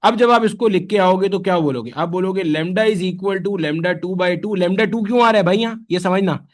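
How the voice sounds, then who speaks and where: A man leads a physics lesson in a high, bright-toned voice. He talks to the class casually, firing off questions and answering them himself. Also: moderate pace. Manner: conversational, answers his own questions in students' voices. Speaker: physics teacher. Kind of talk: classroom lecture.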